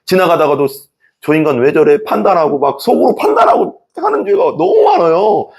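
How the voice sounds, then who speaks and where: Man, pastor, sermon, fairly high voice, wide swinging pitch, acts out quotes. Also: fairly quick, vocal fry. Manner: lively, acts out quoted inner thoughts with laughs.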